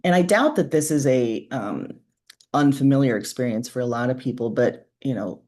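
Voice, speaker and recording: A woman's voice: a bass voice, expressive, normal speed, darkish tone. A woman author being interviewed, talking in a reflective, candid and informal conversational way.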